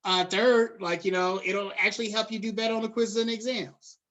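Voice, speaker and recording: A man's voice: sits high, flat delivery, brisk, a bit bright, lo-fi sound. A middle-aged man giving a classroom lecture in a conversational way, slipping into casual slang. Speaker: college lecturer.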